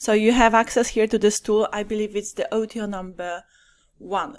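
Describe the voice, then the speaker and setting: In a Polish accent, a woman talks at a moderate pace and a fairly high pitch on a very clean recording with a silent background. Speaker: affiliate marketer reviewing software. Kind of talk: screen-share product review. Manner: casual, chatty with fillers.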